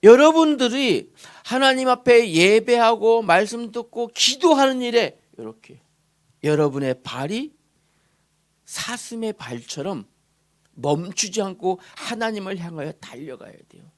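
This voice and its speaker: Male pastor, sermon in church, animated swings of pitch, questions and answers, loud then hushed. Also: measured pace. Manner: asks the congregation questions and answers them himself; shifts from loud emphasis to soft murmurs. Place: church sanctuary.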